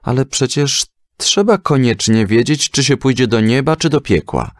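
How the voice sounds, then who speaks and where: A man's voice: medium pitch, lively intonation, moderate pace, no room sound, clean studio sound, pitched above the performer's own voice, close to an everyday voice. A man voicing an earnest, bold young son who asks probing questions in a children's audio story. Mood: insistent.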